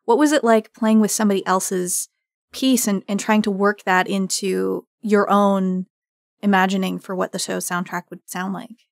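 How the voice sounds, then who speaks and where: A woman's voice: medium pitch, fairly even intonation, moderate pace, creaky, no room sound. Woman hosting, dry close sound. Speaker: interviewer, host. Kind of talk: conversational hosting.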